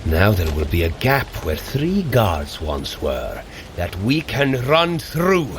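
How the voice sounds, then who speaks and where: Male warrior god: hearty and brave, lower voice, declamatory and lively, audio drama with faint background ambience. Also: takes it slowly, a little hiss or hum, full character voice. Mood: amused, eager. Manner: bold, declamatory, addressing the listener grandly. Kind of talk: scripted audio drama acting.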